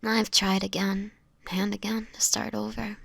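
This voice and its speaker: Woman acting a soft, creaky-voiced, sickly vampire woman. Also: medium pitch, level tone, dry recording, studio quality, exaggerated voice. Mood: sorrowful, weary. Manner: soft, breathy, often whispered, halting, formal old-fashioned wording. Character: sickly homeless female vampire, gentle, melancholy, guarded. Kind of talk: intimate audio roleplay acting. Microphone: close microphone, dry.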